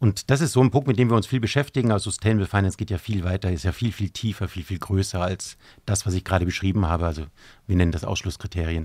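Delivered at a very fast pace, the speech has a dry sound with no echo. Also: man, fairly low pitch for a man, ordinary pitch variation. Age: 50s. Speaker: professor of sustainable finance. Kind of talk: casual interview conversation. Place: studio. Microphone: studio mic.

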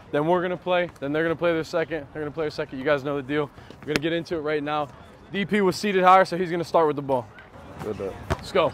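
Over noticeable background noise, a man talks very fast with ordinary pitch variation, in a dry sound with no echo. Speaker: event host. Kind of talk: announcement and game commentary. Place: street. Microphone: lapel.

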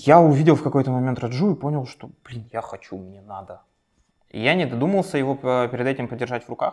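In an unremarkable speaking voice, a man talks at a fairly quick pace with a medium pitch, ordinary pitch variation and big swings in loudness. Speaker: knife collector and knife thrower. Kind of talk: casual interview chat. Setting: studio.

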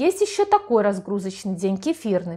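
A woman against a quiet background. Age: 30s. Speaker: beauty vlogger. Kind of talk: vlog monologue. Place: home room. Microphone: lapel.

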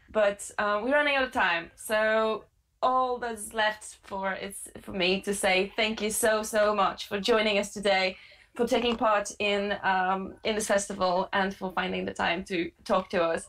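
With a Polish accent, a woman speaks using fairly even intonation. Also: medium pitch for a woman, fairly slow pace. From Poland. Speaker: panel moderator and translator; panel moderator. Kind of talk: moderated literary panel discussion. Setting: video call. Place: home room. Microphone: video call.

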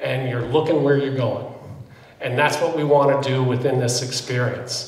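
The speech moves at a moderate pace, with audible room echo in the space. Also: man. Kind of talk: presentation. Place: hall. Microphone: handheld.

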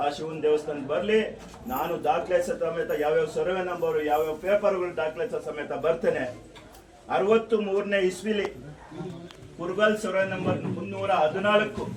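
A man speaks at a high pitch with ordinary pitch variation, and the recording has audible room echo and noticeable background noise. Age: 50s. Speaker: local politician. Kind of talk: victory speech to villagers.

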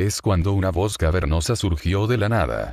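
A dramatic, fairly slow delivery with vocal fry and lively intonation, on a very clean recording with a silent background. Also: man. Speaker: horror story narrator. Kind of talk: spooky ghost-story narration, hushed and suspenseful, building dread. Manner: slow, measured, dramatic pacing with ominous pauses; grave, foreboding tone.

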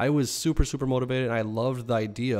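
A man's energetic tone at a very fast pace, with ordinary pitch variation. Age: 20s. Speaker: investing YouTuber. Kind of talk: casual vlog walkthrough.

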